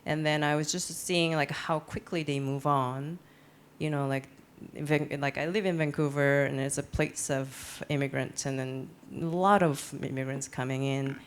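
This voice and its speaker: An artist talks on a panel in a hesitant, searching way, often pausing on fillers. The voice has a gravelly, fry-edged texture, and a faint noise sits under it. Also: mid-range voice, steady tone. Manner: hesitant, many fillers and restarts. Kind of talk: panel discussion. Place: panel event.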